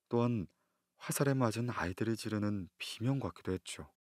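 Recorded very cleanly against a silent background, a man talks at a moderate pace in a calm, soothing tone with ordinary pitch variation and a dry, close sound with no echo. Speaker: audiobook narrator. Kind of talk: audiobook narration. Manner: calm, soothing for sleep.

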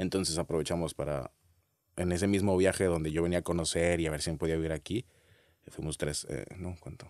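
A man with a Mexico City accent, very deep and low in pitch, fairly even in intonation and fairly quick, in dry sound with no echo against a quiet background. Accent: Mexican Spanish (Mexico City). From Mexico City area. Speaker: comedian and content creator; comedian, content creator. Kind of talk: casual chat. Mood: relaxed, storytelling. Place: studio. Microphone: studio mic.

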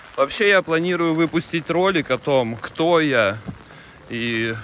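Lively intonation runs through this man's speech. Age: 30s. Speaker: travel vlogger. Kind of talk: walking vlog monologue. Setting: outdoors walking in rain.

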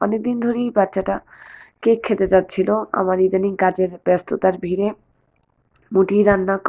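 Against a quiet background, a woman with a medium-pitched voice and a dark, mellow tone speaks in a flat monotone. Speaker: lifestyle vlogger, mother. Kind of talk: vlog voiceover narration.

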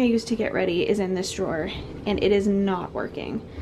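Against light background noise, a woman speaks at a moderate pace with fairly even intonation. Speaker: home organizing vlogger. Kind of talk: casual vlog chat. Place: bathroom. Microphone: phone near.

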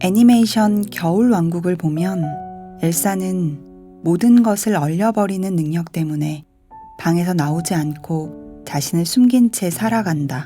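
Soft-spoken and with a gentle, calm tone, a woman talks very slowly in a fairly low pitch with ordinary pitch variation while music plays in the background. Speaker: audiobook narrator. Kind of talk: bedtime book reading. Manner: soft, gentle, calm.

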